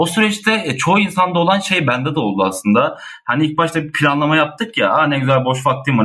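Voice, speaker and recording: This man talks very fast. His intonation stays lively throughout. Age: 20s. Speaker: sales manager. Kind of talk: casual chat.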